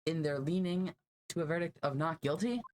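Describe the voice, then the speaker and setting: Streamer doing an excitable, high-pitched courtroom youngster. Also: normal speed, a little hiss or hum, lightly acted. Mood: astonished. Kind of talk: amateur game dialogue reading.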